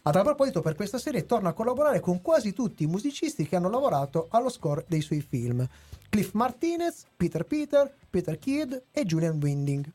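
Husky man reading a review. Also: high voice, very animated, fairly quick, mellow, faint music behind. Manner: reads a prepared review with hesitations. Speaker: podcast host. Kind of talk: casual chat and read review.

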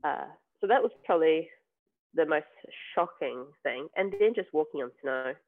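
Speaking at a normal pace in a slightly high, animated voice, this man from New Zealand is a podcast guest who works as a software tester. His casual interview talk is hesitant and full of ums and restarts, heard through a tinny, phone-like remote connection.

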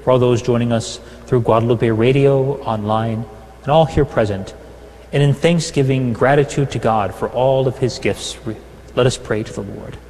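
A man celebrating Mass as a priest, reading set prayers in a measured, solemn way and chanting parts of them, with a long cathedral echo behind his voice. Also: medium pitch, darkish tone. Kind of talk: liturgical prayer, partly chanted. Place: large church. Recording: long church reverb.

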